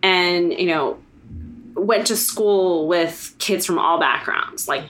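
A woman's voice: lowish voice, slow pace, a bit bright, slight background noise, rough recording. A woman from the United States, a guest in a podcast interview, talking in a loose, rambling way with many fillers and restarts. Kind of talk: casual interview chat.

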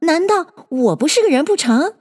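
A woman voicing a bold, impatient young swordswoman who speaks briskly and bluntly. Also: high voice, big pitch swings, long reverb tail, voice pushed up. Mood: teasing. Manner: brisk, scolding, forceful.

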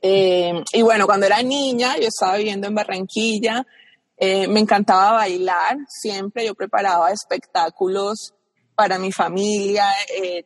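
A woman from Colombia's Caribbean coast is a guest in a casual interview, speaking in a dry, close, mid-range voice. She is reflective, often using fillers and restarting sentences. There's no room sound, yet a long reverb tail trails her words.

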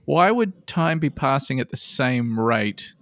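Male podcast co-host, deadpan jokes, gravelly edge, dry close mic. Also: mid-range voice, slow pace, no echo. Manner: jokey, deadpan asides, frequent laughs. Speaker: podcast co-host reading listener posts. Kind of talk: casual comedic podcast chat.

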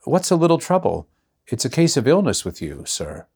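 Man voicing a young male peasant servant, cheerful, deferential, raised pitch, audiobook. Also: sing-song, moderate pace, a little mellow, husky. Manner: eager, deferential.

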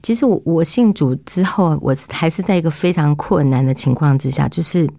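Lively low-voiced woman. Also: brisk, vocal fry, no echo, studio quality. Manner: lively, acts out quoted speech. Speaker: interview guest giving testimony. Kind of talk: animated storytelling.

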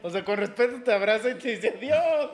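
Young male podcast co-host, Mexican accent, slangy and crude, slightly higher voice. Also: quick pace. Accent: Mexican Spanish. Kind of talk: casual chat.

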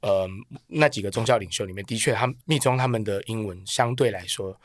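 A man's voice: fairly low pitch, fairly quick, dry recording, studio quality. A man with a Taiwanese accent speaking as a podcast guest, telling stories casually in a colloquial, self-deprecating way. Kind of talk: casual conversational storytelling.

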